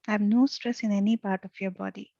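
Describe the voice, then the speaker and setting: A woman leading a guided meditation as a teacher, speaking softly and soothingly with long pauses. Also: medium pitch, fairly even intonation, creaky, no echo, dull audio. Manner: soft, gentle, soothing delivery with long pauses.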